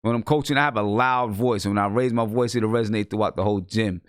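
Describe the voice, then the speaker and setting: A man's voice: lowish voice, fast, clear, resonant tone, no room sound. Emphatic man host at a close studio mic. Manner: emphatic, repeats himself, laid-back sign-off. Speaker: podcast host and high school basketball coach. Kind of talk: casual postgame chat. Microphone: studio microphone close up.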